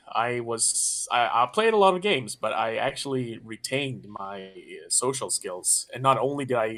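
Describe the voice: Speaking at a moderate pace, a man with a fairly low pitch and a fairly bright tone uses ordinary pitch variation.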